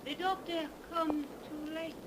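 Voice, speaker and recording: High-voiced, mysterious young woman. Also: steady tone, measured pace. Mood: mournful, hushed. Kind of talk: 1930s radio acting. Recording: noisy old 1930s radio recording.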